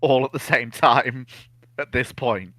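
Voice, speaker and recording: A man in a casual history chat, explaining things in an animated, opinionated way. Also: mid-range voice, measured pace, no echo. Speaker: naval history discussion panelist.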